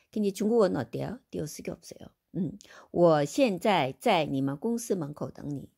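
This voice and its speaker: A woman teaching Chinese in Korean, reading the example sentences out slowly and explaining them. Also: lowish voice, gravelly, mellow, husky. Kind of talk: slow spoken language lesson.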